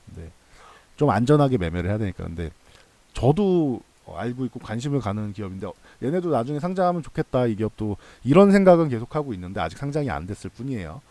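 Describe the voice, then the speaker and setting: Casual and reassuring, this stock analysis channel host explains things conversationally to his viewers and repeats points for emphasis. The man's medium-pitched voice has a warm tone. There is no echo in the recording.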